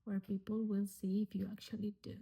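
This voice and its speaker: A woman's voice: medium pitch, little pitch movement, fairly quick, warm tone, slightly rough. A woman whispering the lines of a stubborn, feisty young woman from a novel, putting pointed questions. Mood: challenging.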